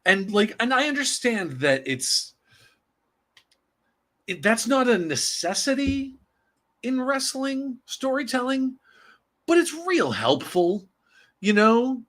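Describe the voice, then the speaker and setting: A man's voice: extremely high pitch, sing-song, takes it slowly, long pauses, a bit bright. A man from the Boston area co-hosting a casual wrestling podcast over a remote streaming call, joking and rambling with lots of restarts. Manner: rambling, self-interrupting, jokey. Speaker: podcast co-host.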